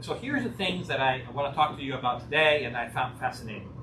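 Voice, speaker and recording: Audible room echo surrounds a man's voice. He speaks at a fairly quick pace. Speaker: invited speaker on spirituality. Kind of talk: talk to a study group. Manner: sometimes speeds up.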